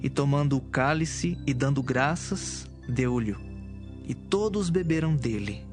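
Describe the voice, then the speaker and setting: A man narrating dramatised scripture from a script, with measured storytelling phrasing. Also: medium pitch, expressive, over music.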